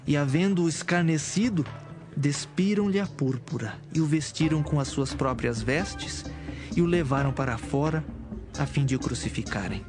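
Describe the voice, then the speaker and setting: A man's voice: fairly high pitch, normal speed. A man giving a scripted narration of an audio Bible. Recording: music behind the voice.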